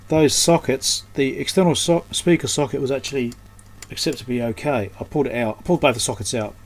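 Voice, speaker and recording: A man of medium pitch speaks a little fast as he works at an indoor electronics repair bench. As the technician and host, he gives unscripted hands-on commentary in short, muttered fragments.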